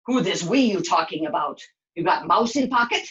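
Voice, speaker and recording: Lady doing a grumpy puppet creature, clipped broken grammar, secretly soft, really expressive, kinda muffled recording. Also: lowish voice, normal speed, echoey room. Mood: bossy, grudging. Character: gruff creature wary of humans, secretly soft-hearted. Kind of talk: puppet show character acting.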